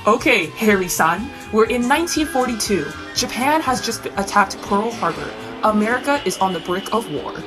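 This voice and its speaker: A woman's voice: medium pitch, animated, normal speed, hardly any pauses, music in the background, close to an everyday voice. A woman playing a breezy, sardonic game show host with showy announcer patter and mock sweetness in a satirical theater piece. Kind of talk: satirical readers theater performance.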